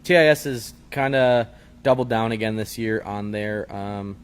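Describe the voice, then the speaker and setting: A man's voice: lowish voice, clean tone. A man co-hosting a live show, easygoing and joking, reading out viewer questions. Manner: easygoing, joking, quick asides. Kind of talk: casual chat.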